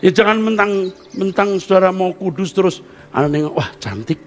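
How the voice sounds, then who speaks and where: An older man preaching a sermon to a congregation, animated and joking as he acts out little quotes. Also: high voice, brisk, soft background music. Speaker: pastor. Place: church service.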